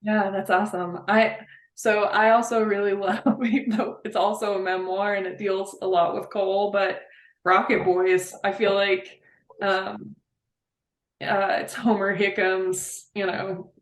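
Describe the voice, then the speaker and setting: A woman chats as an interview guest, heartfelt and rambling, full of "like" and "you know". Her voice sits at an ordinary middle pitch. The sound is roomy, with a clear echo around her. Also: flat delivery, unhurried. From Appalachia, West Virginia. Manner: heartfelt, rambling, many fillers. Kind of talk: casual interview chat.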